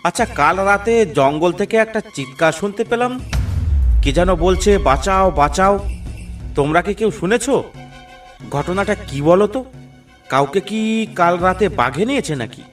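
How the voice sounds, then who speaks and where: A man's voice: high-pitched, expressive, moderate pace, a bit bright, distant mic, soft background music. A man voicing a curious villager in a cartoon who asks what happened.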